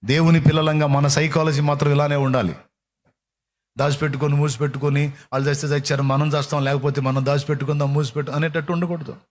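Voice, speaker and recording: A man's voice: fairly high pitch, flat delivery, fast. A man preaching a sermon as pastor, repeating phrases and acting out prayers and dialogue. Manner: fervent preaching with repetition and quoted prayers. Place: church service.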